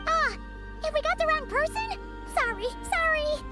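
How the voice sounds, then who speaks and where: A woman voicing a tiny floating female companion creature in a video game, blunt and quick to scold. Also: very high voice, expressive, bright, forceful tone, faint music behind, exaggerated voice. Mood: awkward. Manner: cheeky, quick to scold and fret.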